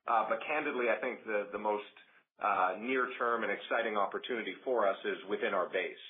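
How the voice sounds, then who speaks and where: A male company executive giving a measured business answer on an earnings call. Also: lowish voice. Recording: narrow phone-band conference call.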